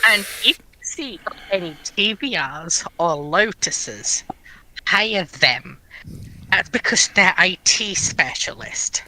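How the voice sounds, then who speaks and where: A man's voice: sits high, sing-song, takes it slowly, pushed and bright, slight background noise, low-quality recording. A man chatting casually as a livestream panellist, trading joking banter with the others.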